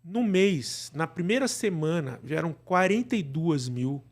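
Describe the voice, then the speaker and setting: A man with a Brazilian Portuguese accent speaks in a slightly high register. He is a guest in a live interview, explaining in a conversational way and often checking in with little tag questions. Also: animated, a little slow. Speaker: guest, radio drama producer.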